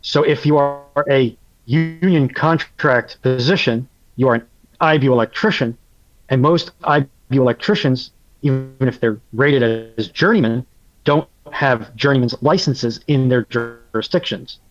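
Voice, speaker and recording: A man of medium pitch speaks through a dull, lo-fi phone mic on an internet call. He explains things casually but emphatically, with an incredulous edge. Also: normal speed. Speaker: panelist on a live stream. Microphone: phone mic on a Discord call.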